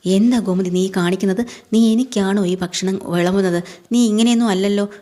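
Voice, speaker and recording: A woman's voice: mid-range voice, steady tone, brisk, mellow, close to an everyday voice. A woman reading the lines of a worried, stern middle-aged family man in a serial recap, pressing questions in a plain voice. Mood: demanding.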